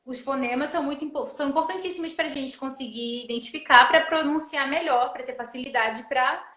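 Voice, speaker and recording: High-voiced woman in a roomy space. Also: a little fast, a bit bright. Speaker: host. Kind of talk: casual live chat. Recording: roomy echo.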